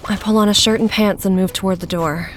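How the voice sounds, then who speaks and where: A woman's voice: medium pitch, fairly even intonation, quick pace, natural voice. A woman acting in an audio drama as an exasperated, protective young woman who also narrates in the first person. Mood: uneasy, hushed narration. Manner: exasperated, sighing. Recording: engine and outdoor ambience noise.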